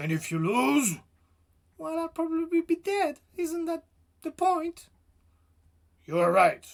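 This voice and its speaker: This put-on character voice is squeaky and extremely high. It moves at a fairly slow pace, with long, frequent pauses. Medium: read story. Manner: loud, blustering.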